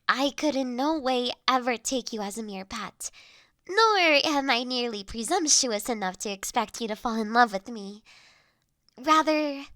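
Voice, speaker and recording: A woman playing a gentle, formal young mistress of a manor in a roleplay audio drama, speaking earnest, caring lines in measured, old-fashioned phrasing. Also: on the high side, no echo, clean studio sound. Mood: playful, composed.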